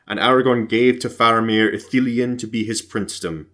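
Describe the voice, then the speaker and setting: Guy reading epic fantasy audiobook, kinda low voice, formal n measured. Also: steady tone, pushed and bright. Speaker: audiobook narrator. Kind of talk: scripted narration of epic fantasy.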